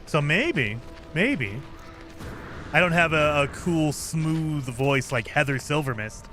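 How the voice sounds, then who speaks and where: Man, higher-pitched voice, animated intonation, chatty live game commentary, light game music behind. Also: slow pace. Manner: chatty, lively, self-deprecating. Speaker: game streamer. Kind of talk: live gameplay commentary, reading chat.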